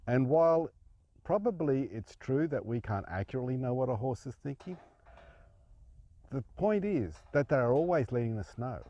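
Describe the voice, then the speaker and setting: A male horse trainer talks in a calm, patient way, alternating between coaxing the horse and reflecting on training. His voice sits at an ordinary middle pitch. The sound is dry and a little dull and lo-fi. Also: dry recording. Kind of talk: teaching talk while working a horse.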